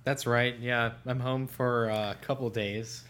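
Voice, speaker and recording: A man co-hosting a casual tech podcast as a smartphone editor, relaxed and trailing off quietly at the ends of phrases. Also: medium pitch, a little slow. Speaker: senior smartphone editor, co-host.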